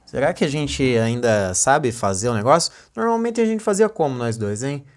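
A man hosting a casual solo podcast, rambling and joking, swinging between low mumbles and excited high bursts. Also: normal speed. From Brazil. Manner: rambling, joking, addresses his dog as co-host. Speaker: podcast host.

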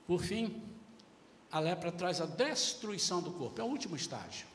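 A man preaching a sermon as pastor, emphatic and animated. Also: high-pitched, moderate pace, slight background noise. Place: church. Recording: echoey church hall.

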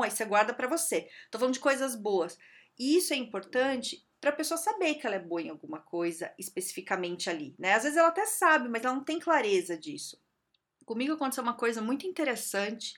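A middle-aged woman from Brazil giving casual workplace advice to camera, chatty and lively, often acting out quoted remarks in mock voices. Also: fairly high pitch.

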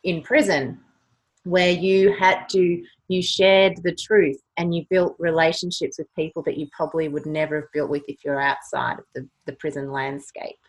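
A woman's voice: low-pitched, fairly even intonation, moderate pace. A woman hosting a podcast interview and asking encouraging, wordy questions. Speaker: podcast host.

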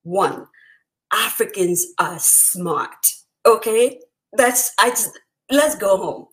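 A woman's voice: mid-range voice, expressive, takes it slowly. Effusive Ghanaian woman hosting a livestream. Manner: effusive, warm greetings in many languages, frequent laughs. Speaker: host of a storytelling livestream. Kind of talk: lively livestream greetings to viewers.

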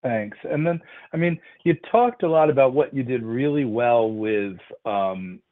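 Male analyst caller, mid-pitched voice, halting and roundabout questioning, narrow telephone sound. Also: lively intonation. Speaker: financial analyst asking questions. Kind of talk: earnings call questioning. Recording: dull band-limited phone line.

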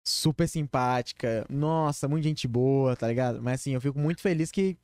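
A young man in his teens, casually telling a story on a live stream, full of slang and quick asides. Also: medium pitch, a little mellow, smooth, no echo, studio quality. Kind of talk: casual chat.

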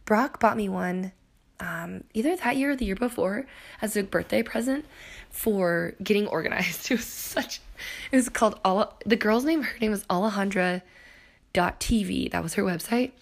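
Speaking at a moderate pace and medium pitch, this thirtysomething solo podcast host tells her personal story conversationally. Her hoarse voice cracks often, and she laughs frequently while wandering into side topics.

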